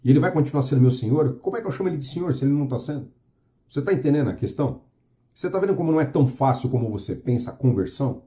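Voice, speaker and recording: A man's voice: mid-range voice, dark tone. A Brazilian man preaching earnestly to camera, asking the listener questions and reading scripture with emphasis. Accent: Brazilian Portuguese.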